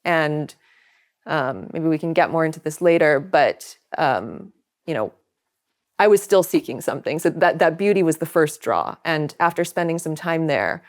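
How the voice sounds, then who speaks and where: A young American woman speaks as an interview guest in a notably low voice. She is earnest and thoughtful. Her delivery is that of reflective, personal storytelling. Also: lively intonation, normal speed. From Hawaii, United States. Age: young adult.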